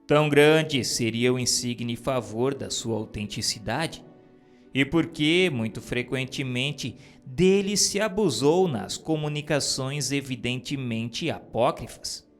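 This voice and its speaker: A man narrating a religious text in a calm, measured, formal way, with faint music underneath. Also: medium pitch. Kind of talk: scripted reading of a religious text. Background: soft music.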